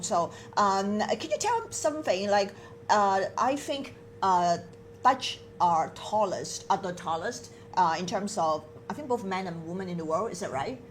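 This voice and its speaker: A woman's voice: fairly low pitch, slight background noise. A woman with a Hong Kong accent, a native Cantonese speaker, hosting a livestream interview in an informal conversational way. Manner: informal, switches between languages. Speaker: interview show host.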